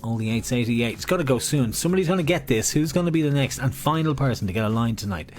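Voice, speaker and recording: A man's voice: medium pitch, animated, fast talker, faint music behind. An Irish man hosting as a bingo caller, mixing playful sing-song number calls with casual chat. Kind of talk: bingo calling mixed with casual banter.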